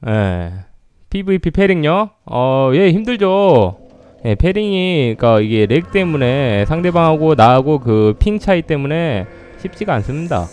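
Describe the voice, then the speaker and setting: A man's voice: fairly high pitch, very animated, unhurried, a little mellow, clear, resonant tone, no room sound. A man streaming a game live, greeting viewers and trash-talking the opponents he fights.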